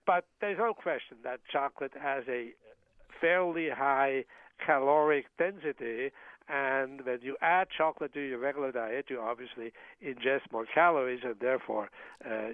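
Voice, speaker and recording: Interview guest: a man from Switzerland, measured and halting, on a tinny dry phone line. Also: medium pitch, dry recording. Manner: measured, hesitant with frequent uh fillers and restarts. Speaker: guest, professor of medicine.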